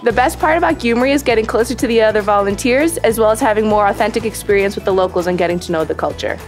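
A young woman from Florida talking casually to camera as a volunteer, quick and chatty. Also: mid-range voice. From Miami, Florida. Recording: echoey room with music.

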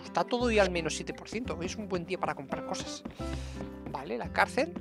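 A man's voice: sits high, lively intonation, brisk, vocal fry, music in the background. A young adult man from Spain with a Spanish accent, giving casual, playful gameplay commentary as he chats to himself on a headset mic. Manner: chatty, playful self-talk with diminutives. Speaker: video game streamer. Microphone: headset microphone.

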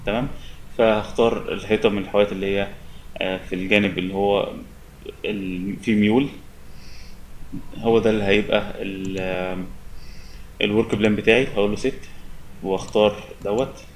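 A young man with an Egyptian Arabic accent giving a relaxed, step-by-step software tutorial at his desk. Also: lowish voice, a little fast, long pauses, a little hiss or hum. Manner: relaxed, step-by-step explaining with many fillers. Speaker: software instructor. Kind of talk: screen-recorded software tutorial.

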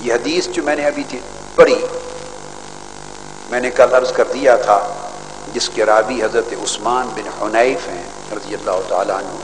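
An older man, a religious scholar, giving a formal hadith lesson from a podium, measured and scholarly with emphatic rises. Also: medium pitch. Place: large outdoor stadium stage. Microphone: podium microphones. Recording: hall echo, faint background noise.

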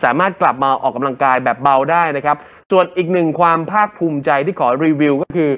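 Fast-talking man co-hosting TV news. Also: fairly high pitch, fairly bright tone, clear, resonant tone. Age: adult father of young children. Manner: chatty, joking, polite sentence endings. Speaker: co-host of entertainment news show. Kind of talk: casual studio banter reading celebrity news.

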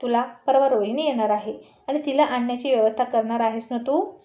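A teasing, stern old grandfather from a spoken story, as a woman narrator puts him on, fond of ribbing his grandson and laying down the law. The voice is mellow and fairly high, recorded in an echoey room. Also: fairly quick, lightly acted. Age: older. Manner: teasing, scolding.

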